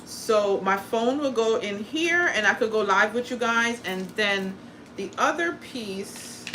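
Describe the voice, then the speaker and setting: A woman born in Guyana and raised in the US chats on her crafting livestream in a somewhat high voice. She is blunt and profane, quick to poke fun at herself, and keeps it loose and casual. A faint hum of room noise sits behind her. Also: lively intonation, pushed and bright, low-quality recording. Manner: blunt and profane, chatty, self-deprecating. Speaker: crafting content creator and livestream host.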